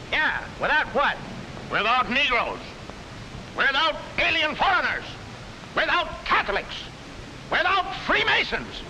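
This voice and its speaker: A man's voice: extremely high pitch, sharp tone, exaggerated voice, poor audio. A man playing a ranting, bigoted street-corner orator in a 1940s film. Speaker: soapbox speaker addressing a crowd. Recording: hissy 1940s film soundtrack.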